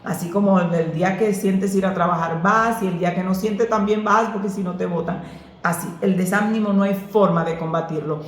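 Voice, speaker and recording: A woman pastor, answering questions about prayer in an earnest, preacherly way that slips into lively storytelling. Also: medium pitch, normal speed. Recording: echoey room.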